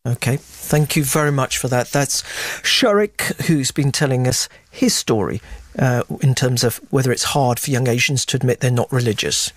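A man's voice: mid-range voice, normal speed, slight background noise. A man presenting a live radio debate as host. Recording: music playing under the voice. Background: music bed.

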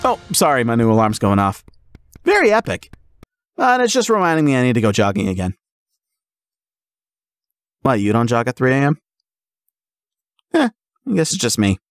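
A man's voice: medium pitch, moderate pace, pauses often, no room sound, studio quality. Man acting an exuberant, swoopy himbo jock boyfriend. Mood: playful, affectionate. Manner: excitable, playful, theatrically dramatic. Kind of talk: roleplay audio acting, addressed to the listener.

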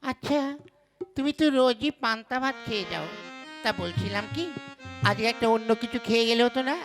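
Man doing a village wife, puppet cartoon, very high and bright, scolding. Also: lively intonation, fairly quick, faint music behind, exaggerated voice. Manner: scolding, nagging questions. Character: village wife, sharp and practical. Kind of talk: puppet show voice acting.

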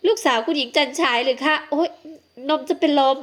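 A woman's voice: fairly high pitch, measured pace. A woman voicing a dramatic, easily flustered older nanny in an audiobook. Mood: astonished. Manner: exclaiming, theatrical.

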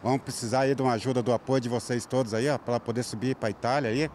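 A man's voice: medium pitch, steady tone, very fast, a little hiss or hum. A man in his forties with a Southern Brazilian accent, speaking proudly and loosely into a handheld mic outdoors. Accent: Southern Brazilian Portuguese. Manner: warm, proud, rambling with fillers. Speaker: athlete's father, interviewee. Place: outdoors by a street. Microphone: handheld reporter mic.

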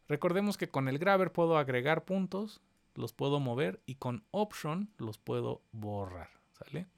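A man, giving a step-by-step screen-recorded software lesson and talking straight to his viewers. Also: mid-range voice, creaky. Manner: explains step by step, addressing viewers directly. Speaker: instructor.

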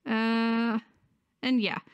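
A woman's voice: a little high, flat delivery, drawn-out words, clean tone, no room sound. A middle-aged woman who is sick and slightly wheezy, chatting casually and hesitantly to camera as a reaction channel host, close on a desktop microphone. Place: indoors, small room at home.

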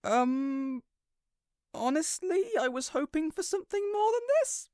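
A woman's voice: sits high, lively intonation, darkish tone, no room sound, studio quality. A woman playing a hapless but stubborn, earnest underdog villain in an audio roleplay, speaking hesitantly. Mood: sheepish. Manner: hesitant, sighing, halting.

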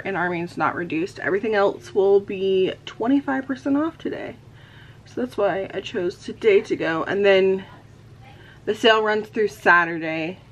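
A woman's voice: mid-range voice, poor audio. A woman in her thirties chatting casually to a camera in her bedroom, rambling with many fillers while she puts on makeup. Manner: talks while putting on makeup. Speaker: vlogger. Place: bedroom at home. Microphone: camera on a desk in front of her.

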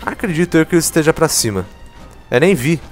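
A fast-talking man with a slightly high voice narrates his video game play in a casual let's play style. Excitable and profane, he jokes at the game constantly while faint music plays in the background.

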